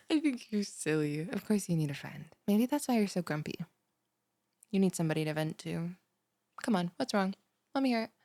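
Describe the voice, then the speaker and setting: A woman's voice: fairly low pitch, warm tone, no room sound. Woman playing a young adult female student, bubbly, ditzy, gushing, rambling, dramatic, dry audio roleplay recording. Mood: perky, pushy. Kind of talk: one-sided audio roleplay acting.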